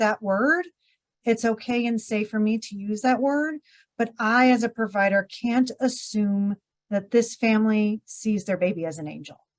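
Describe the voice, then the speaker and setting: This woman has a normal speaking voice with a fairly high pitch. Her pitch varies in an ordinary way. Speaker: grief support facilitator and webinar presenter. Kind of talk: webinar presentation and Q&A. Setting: video call webinar.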